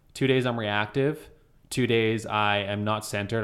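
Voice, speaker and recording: At a moderate pace, a man talks in a normal speaking voice. His pitch is fairly low. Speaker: podcast co-host. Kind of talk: casual podcast conversation.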